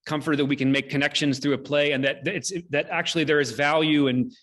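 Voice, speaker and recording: A man hosting an online event, giving measured, solemn closing remarks with deliberate rhetorical repetition. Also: fairly high pitch, flat delivery, a bit bright. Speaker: host, theater company director. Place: indoors, online video call.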